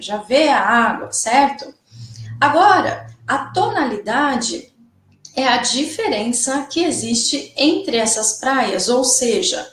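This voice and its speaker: A woman's voice: fairly high pitch, echoey room. A woman and singing teacher explains music theory in an online lesson, checking in with her students all the time. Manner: didactic, checks in often with "né?" and "certo?".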